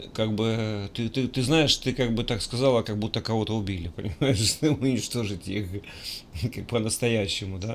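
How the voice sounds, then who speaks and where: Speaking fairly quickly in a Russian accent, a man uses a medium pitch with ordinary rises and falls. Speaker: English pronunciation teacher. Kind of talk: language lesson.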